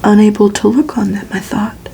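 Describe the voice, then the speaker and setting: A woman voicing a nervous, curious young male interviewer in a breathy whisper for an ASMR storybook. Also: mid-range voice, steady tone, moderate pace, warm tone, slight background noise, natural voice.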